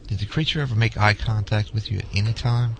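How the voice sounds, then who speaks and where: Low-voiced, businesslike investigator played by a man. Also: fast, vocal fry, slight background noise. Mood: polite, inquiring. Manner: businesslike, courteous questioning. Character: polite, methodical male Bigfoot researcher leading an interview. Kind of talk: amateur audio drama acting.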